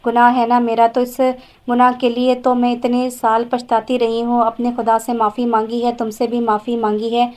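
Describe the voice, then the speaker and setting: A hurt young woman pleads through tears, read by a woman narrator. Her voice is fairly high and flat in its melody. An audio-novel reading. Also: lightly acted. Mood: tearful. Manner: tearful, pleading.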